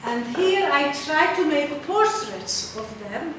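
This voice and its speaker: An older woman whose first language is Hungarian, presenting her artwork at an exhibition opening in halting speech full of fillers. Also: high voice, big pitch swings. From Czechoslovakia. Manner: halting, searching for words, many fillers. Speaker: artist presenting her work. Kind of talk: slideshow talk at an exhibition opening. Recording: echoey hall from far off, noisy.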